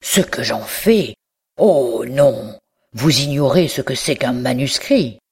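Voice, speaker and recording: A miserly old bookseller, voiced by an audiobook reader, guarded and stammering, clinging to his precious manuscripts. He speaks slowly, with a strained, faraway tone, as in a storybook reading. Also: medium pitch, expressive, darkish tone, husky.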